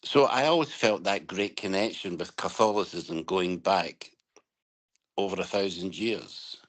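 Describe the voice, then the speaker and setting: A man's voice: deep voice, unhurried. A man from Scotland with a Glaswegian accent, telling stories conversationally as an interview guest. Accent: Glaswegian Scottish. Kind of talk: conversational storytelling about home and past.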